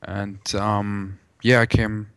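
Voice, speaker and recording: A man's voice: lowish voice, flat delivery, takes it slowly, a bit bright, clear, resonant tone, no room sound. A man who grew up in Germany, introducing himself to a room in a loose, friendly, conversational way. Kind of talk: casual spoken introduction.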